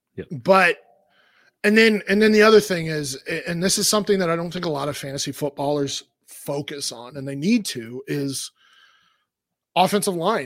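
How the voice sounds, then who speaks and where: Lively intonation from a man with a fairly high pitch, at a moderate pace, in a very clean recording with a silent background. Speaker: podcast guest, former co-host. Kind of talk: casual banter about fantasy football. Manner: animated, laughs often.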